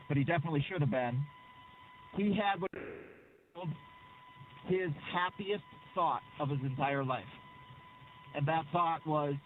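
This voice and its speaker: A man's voice: on the high side, phone-quality sound. A male astronaut heard over a crackly space-to-ground radio link, giving clipped procedural callouts to mission control.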